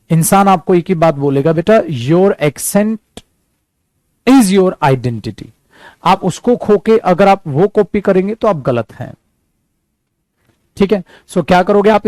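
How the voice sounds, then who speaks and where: A man with an Indian accent teaching a spoken English class, calling his students dear and son and drilling words by repetition, slowing right down for the English examples. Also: on the high side, a little mellow, dry recording. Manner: slows to a careful crawl for English example sentences.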